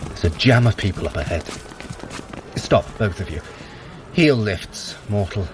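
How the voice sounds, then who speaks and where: An imperious trickster prince in a fantasy audio drama. His delivery is sardonic and clipped, swinging widely in pitch, over faint background ambience. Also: expressive, a little slow, background noise. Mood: impatient, dismissive. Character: wry, wary, imperious trickster prince of myth.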